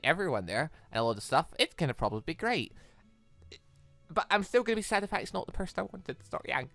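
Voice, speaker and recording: A gaming YouTuber giving casual, rambling, expressive let's play commentary on a visual novel, speaking emphatically. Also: mid-range voice, no echo. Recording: game music playing behind voice. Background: visual novel game music.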